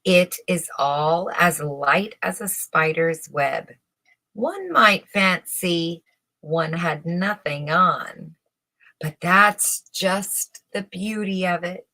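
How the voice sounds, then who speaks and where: A woman voicing fawning, oily swindler tailors in a storybook, speaking with ceremonious flattery. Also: lowish voice, very slow, heavily acted. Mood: oily, reverent. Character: two fawning, oily swindler tailors presenting invisible clothes.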